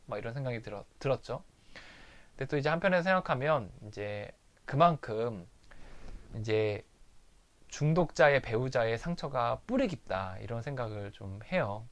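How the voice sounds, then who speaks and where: A man candidly recounting a fight with his wife in a personal recovery diary monologue. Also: medium pitch. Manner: candid, confessional storytelling.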